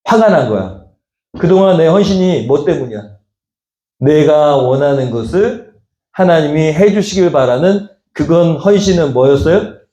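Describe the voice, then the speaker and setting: A man's voice: a little high, lively intonation, normal speed, dark tone, dull audio. A male pastor preaching a sermon, pressing the congregation with rhetorical questions in casual, conversational speech. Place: church sanctuary. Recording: echoey church hall.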